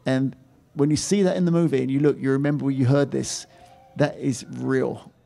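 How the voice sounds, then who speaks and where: A man with a mellow, warm voice of middling pitch answers a panel question. He speaks emphatically, building his story to a point. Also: fairly even intonation, moderate pace, vocal fry. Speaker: film producer.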